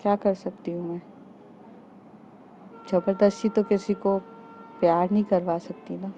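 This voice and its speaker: A sulky young woman, as a woman narrator puts her on, coaxes in a soft, unhurried voice. Her tone is mellow and a little dark. The recording is dull and lo-fi. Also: mid-range voice, flat delivery, slight background noise, close to an everyday voice. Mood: pleading.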